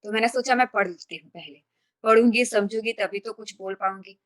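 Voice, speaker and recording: During casual sharing in a study group, a woman earnestly confesses her nervousness about reading aloud to the group. Her mid-range voice moves a little fast.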